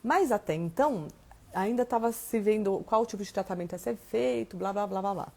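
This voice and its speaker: A woman talks straight to her live stream audience at a middle pitch. She is chatty and informal, greeting viewers by name and ending phrase after phrase with a quick question word. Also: gravelly, mellow. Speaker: host of a live stream on family systems. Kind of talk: live stream chat, reading viewer comments.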